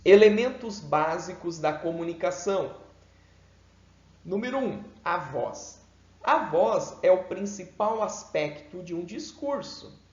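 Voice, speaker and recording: Brazilian male seminary teacher, deliberate and emphatic, leaning hard on pitch swings; unhurried delivery in an echoey room. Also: lively intonation. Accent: Brazilian Portuguese. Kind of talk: homiletics lecture. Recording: echoey room, dull lo-fi sound.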